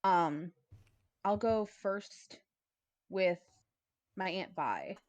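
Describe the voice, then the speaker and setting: A woman's voice: mid-range voice, expressive, extremely slow, no echo. A woman co-hosting a podcast in casual chat, thinking aloud in a hesitant, reflective way. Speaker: podcast co-host. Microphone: headset.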